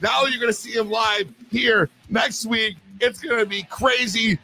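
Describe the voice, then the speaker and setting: Hoarse, high-voiced male podcast host, hyped and slangy, faint music behind. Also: fairly even intonation, unhurried, bright, forceful tone. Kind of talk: energetic show sign-off with shout-outs.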